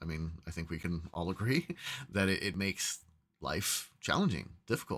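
The setting is quiet. A man talks at a moderate speed. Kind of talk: devotional reflection. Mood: calm, warm, light laughs. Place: home room. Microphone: webcam.

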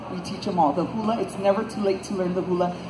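Noticeable background noise runs through the clip. The voice shows ordinary pitch variation. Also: woman. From Hawaii. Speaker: hula instructor. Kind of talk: live show commentary to audience.

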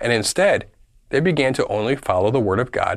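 At a fairly quick pace, a man talks over a quiet background. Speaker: bible teacher presenter. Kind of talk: lecture. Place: studio.

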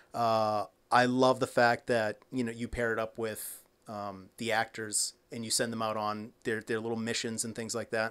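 A man's monotone, flat delivery at a moderate pace. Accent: American. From United States. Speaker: podcast host. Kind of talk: casual chat. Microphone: studio mic.

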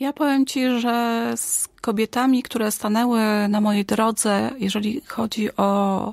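In a very clean recording with a silent background and a dry, close sound with no echo, a woman speaks at a medium pitch in a calm tone with monotone, flat intonation. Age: 40s. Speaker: painter. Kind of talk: casual chat.

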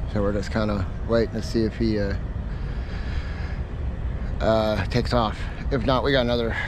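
Over noticeable background noise, a man speaks at a moderate pace with a dry sound and no echo. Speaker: train hopper vlogger. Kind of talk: casual vlog chat. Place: open country. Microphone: phone near.

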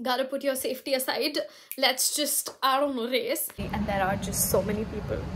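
Amid noticeable background noise, a woman with a high pitch speaks in an animated tone at a moderate pace with ordinary pitch variation. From India. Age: 20s. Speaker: student vlogger. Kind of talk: vlog.

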